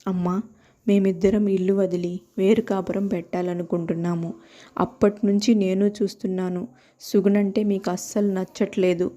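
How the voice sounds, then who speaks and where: A woman voicing an earnest, resolute young husband addressing his mother in a measured, pleading way, on muffled audio. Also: mid-range voice, little pitch movement, dark tone, pitched below the performer's own voice, lightly acted.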